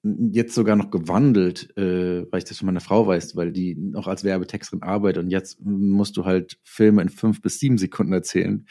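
A man's voice: low voice, steady tone, moderate pace, few pauses, dark tone. A middle-aged man chatting casually as an interview guest, telling stories from his working life and acting out bits of dialogue. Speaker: interview guest, author and filmmaker.

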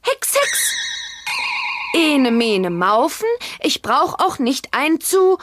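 Lively high-pitched young witch girl. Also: drawn-out words, over music, heavily acted. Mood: gleeful chanting. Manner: chanting rhymed spells with exclaimed endings. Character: young witch girl, cheerful, bossy spell-caster. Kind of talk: 1980s children's audio drama acting.

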